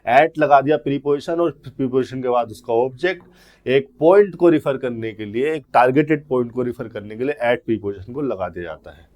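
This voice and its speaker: An English grammar teacher gives an exam-prep lesson, explaining things step by step and posing questions he then answers himself. His voice is medium in pitch and a little mellow. When he reads example sentences, he slows right down and goes word by word.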